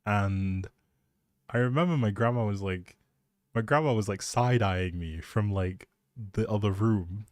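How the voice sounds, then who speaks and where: A man's voice: on the low side, a little slow, darkish tone, dry recording, studio quality. A man live streaming, chatting casually in an appreciative, rambling way and thinking aloud as he goes.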